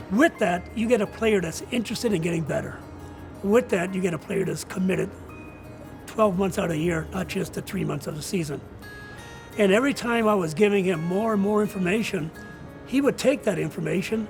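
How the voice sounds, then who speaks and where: Older man, high creaky voice. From outside the United States. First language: not English. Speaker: college soccer coach. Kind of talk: interview answers.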